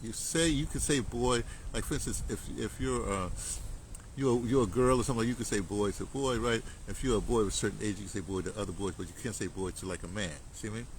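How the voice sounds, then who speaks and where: A man's voice: on the low side, fast talker, a little hiss or hum, low-quality recording. A man in his seventies, talking in a rambling, casual monologue that is full of restarts and slang, chuckling now and then. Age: 70s. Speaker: commentator.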